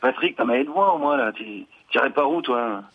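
A man's voice: mid-range voice, brisk, slightly rough, phone-quality sound. A man playing a crude, lost explorer captain who grumbles in slang in a comedy sketch. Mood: grumbling.

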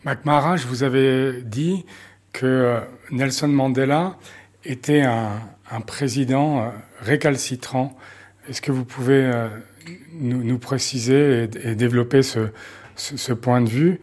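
A man's voice: medium pitch, fairly even intonation, a little slow, darkish tone. A man interviewing a guest for a radio documentary, asking questions hesitantly with many "euh" and repetitions. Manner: hesitant, with "euh" and repeated words.

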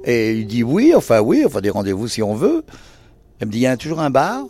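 A man's voice: medium pitch, huge pitch swings, quick pace, warm tone. An older man who owns a bar, telling anecdotes in casual conversation. He acts out the dialogue he quotes and hesitates often. He speaks indoors in his bar lounge. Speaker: bar owner.

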